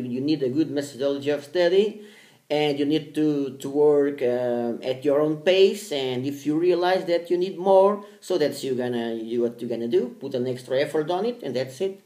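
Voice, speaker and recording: A man giving casual advice on language study to viewers in a halting, rambling way, with many restarts and fillers. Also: fairly high pitch, mellow. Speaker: language learning vlogger. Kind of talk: casual spoken advice to camera. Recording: echoey room.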